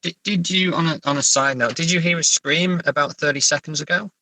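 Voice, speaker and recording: A man from England chatting casually as an interview guest, halting and self-correcting, with a wry way of telling stories. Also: on the high side, pushed and bright, no room sound, rough recording. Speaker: horror novelist and therapist guest. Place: sitting in a parked car.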